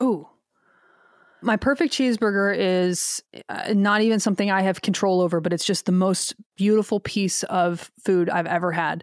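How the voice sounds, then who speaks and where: In a very clean recording with a silent background and a dry, close sound with no echo, a woman with an American accent uses an ordinary speaking voice at medium pitch, speaking at a moderate pace with ordinary pitch variation and very even loudness. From US Midwest. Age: 30s. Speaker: audio mastering engineer. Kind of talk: casual interview.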